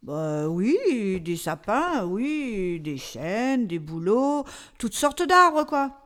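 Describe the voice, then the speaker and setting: Flustered but patient storyteller played by a woman, slow and very animated, coaxing a child in a comic radio sketch. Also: mid-range voice, heavily acted. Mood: storytelling.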